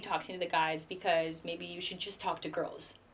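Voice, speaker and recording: A woman speaks with a slight Canadian accent. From Canada, Calgary. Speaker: songwriter and talk show host. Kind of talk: casual chat. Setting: studio. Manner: animated.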